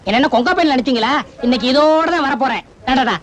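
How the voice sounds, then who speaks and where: A man's voice: very high-pitched, fast, fairly bright tone. An actor playing a cheeky, quarrelsome young village man who brags and bickers, in an old film comedy. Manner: boastful and bickering. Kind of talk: 1980s Tamil film comedy. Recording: dull old film soundtrack with music.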